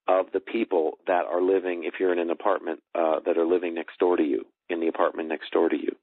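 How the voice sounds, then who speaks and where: A man explaining earnestly and haltingly as an interview guest over a telephone. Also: low-pitched, slightly rough. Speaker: interview guest, energy healer. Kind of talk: explanatory talk in a phone interview. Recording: tinny phone line, roomy echo.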